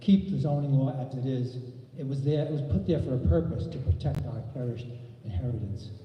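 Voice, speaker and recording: A man with an American accent talks at a moderate pace, medium pitch and ordinary pitch variation. Audible room echo and noticeable background noise fill the recording. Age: 80s+. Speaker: community member giving public comment. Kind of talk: public hearing testimony. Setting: public meeting with audience.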